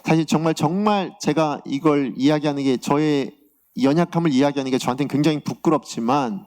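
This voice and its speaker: A man's voice: fairly high pitch, fairly quick. A male pastor giving a sermon, telling a personal story and acting out the words he heard in prayer. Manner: animated, acts out God's words in a raised voice; confessional storytelling about his own week.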